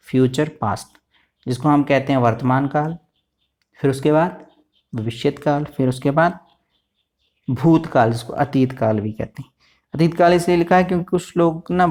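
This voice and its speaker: A man teaching Sanskrit grammar in an online lesson. He reads out the forms slowly, one after another, and often checks whether the students have understood. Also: mid-range voice, darkish tone.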